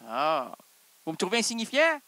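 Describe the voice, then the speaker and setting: A man's voice: sits high, huge pitch swings, normal speed, bright, forceful tone, dry recording, low-quality recording. A man with a Québécois French accent hosting a radio show, rambling playfully through an improvised comic monologue and bantering with himself.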